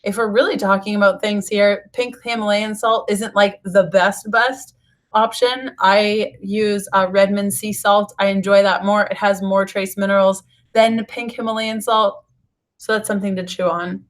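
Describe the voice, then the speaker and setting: Casual female livestream host, raspy from a lost voice, narrow pitch movement, chatty and informal with viewers. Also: flat delivery, moderate pace. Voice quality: raspy, slightly hoarse voice. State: hoarse, recovering from voice loss. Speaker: nutrition author hosting a livestream. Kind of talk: casual live vlog chat to viewers. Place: hotel room.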